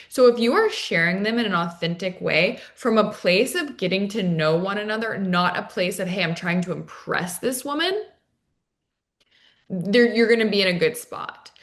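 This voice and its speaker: A woman's voice: mid-range voice, a bit bright. A woman with a mid-range voice talks as an expert guest in an interview. She explains her advice in an articulate, conversational way, often framing points as rhetorical questions. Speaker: dating coach guest.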